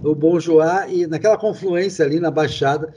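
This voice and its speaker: Husky mellow-voiced man hosting. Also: on the high side, normal speed. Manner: storytelling, many fillers and restarts. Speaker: host. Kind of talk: conversational interview.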